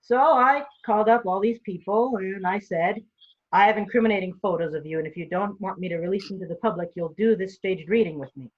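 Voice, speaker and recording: A man's voice: high voice, brisk. Jokey young man hosting a sketch show. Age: young adult. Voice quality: jokey, self-deprecating, laughs at own jokes. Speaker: host and writer of the sketch show. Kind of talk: casual video introduction. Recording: somewhat dull, lo-fi sound.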